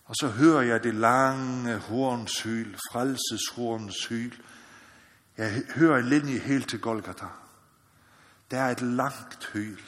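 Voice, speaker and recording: A man's voice: mid-range voice, fairly even intonation. Earnest preacher man in a reverberant hall. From Faroe Islands. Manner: earnest, repeats "ikke også?", rises to loud exhortation. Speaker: missionary preacher. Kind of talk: sermon. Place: church or meeting hall.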